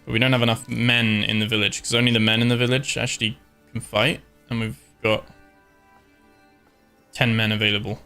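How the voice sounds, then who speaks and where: Gravelly man streaming a game. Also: lowish voice, fairly quick, soft background music. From born in Scotland, raised in Ireland. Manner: relaxed, thinking aloud with many ums and likes. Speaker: live-streamer. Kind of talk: casual gameplay commentary.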